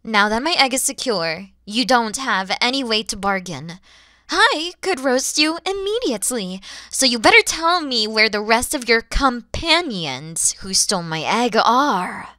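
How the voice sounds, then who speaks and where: Female actor for a proud dragon mother, audio roleplay: highly expressive, slow, theatrical menace with breathy drops. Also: no room sound, clean studio sound. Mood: suspicious, stern. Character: proud, wary, motherly female dragon guarding her egg. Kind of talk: ASMR audio roleplay acting.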